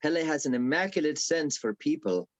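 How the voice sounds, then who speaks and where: A man's voice: a little high, animated, brisk, no echo, natural voice. Man acting a merry, swooping older village elder. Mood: jovial. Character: welcoming, merry village elder in his fifties. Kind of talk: table read of a film script.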